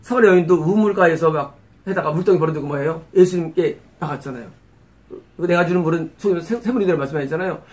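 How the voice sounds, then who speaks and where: A man's voice: on the high side, fast. A middle-aged man preaching an expository sermon as pastor, often asking his own rhetorical questions and repeating key phrases. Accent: Korean-accented English words.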